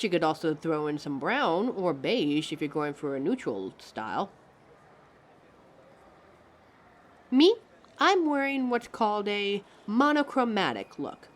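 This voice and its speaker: A woman's voice: medium pitch, natural voice. A woman voicing a pompous, theatrical living mannequin who lectures the listener as a fussy fashion expert in a scripted roleplay. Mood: haughty, instructive. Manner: pompous, affected, instructive, calls listener darling.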